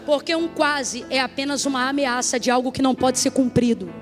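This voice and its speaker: A woman's voice: high voice, fairly even intonation, fairly quick, soft background music. A woman preacher giving an emphatic, conversational sermon mixed with a personal story.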